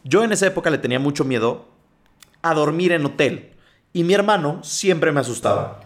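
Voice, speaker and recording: Expressive and a little fast, this man's slightly high voice carries a casual podcast where he hosts and reads out listener stories. He trips over the reading and keeps wandering into tangents, commenting along the way.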